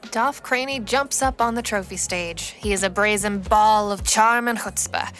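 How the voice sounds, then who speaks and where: Woman narrator over clear music. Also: medium pitch, moderate pace, a bit bright. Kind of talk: scripted present-tense drama narration.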